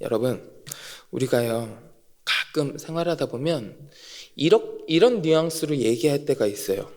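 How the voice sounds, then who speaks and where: A male pastor preaching an emphatic sermon in a church, firing repeated rhetorical questions and swinging from loud to hushed. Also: mid-range voice, lively intonation, a little slow. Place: church sanctuary. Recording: long reverb of a church hall.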